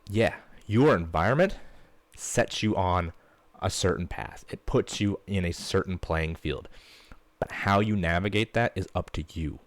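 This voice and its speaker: Blunt deep-voiced male podcast coach. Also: dry recording. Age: young adult to middle-aged parent. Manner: blunt and fired-up, swears casually. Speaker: podcast host and fitness coach. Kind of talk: casual solo podcast monologue.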